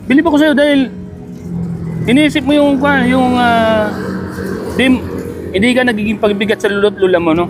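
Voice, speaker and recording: A fairly high-pitched man talks casually outdoors, kind and encouraging. He keeps checking in with quick, repeated little questions. Music plays clearly underneath the whole recording. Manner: encouraging and kindly. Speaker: vlogger handing out gifts. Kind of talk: casual on-the-street chat. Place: outdoors on a sunny street.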